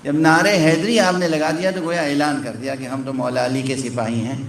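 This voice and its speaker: A man's voice: a little high, fairly even intonation, a little hiss or hum. Cleric guy teaching from the pulpit, asks the crowd stuff, big echoey hall far off. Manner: teaching, counting along, asking the crowd questions. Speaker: Shia cleric. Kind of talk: sermon from the pulpit.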